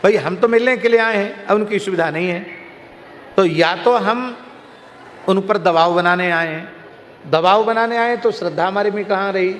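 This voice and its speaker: A man's voice: high-pitched, normal speed. A man delivering a religious discourse, telling stories and anecdotes to his listeners. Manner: storytelling, lively anecdotes. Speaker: katha preacher. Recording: reverberant hall, faint noise.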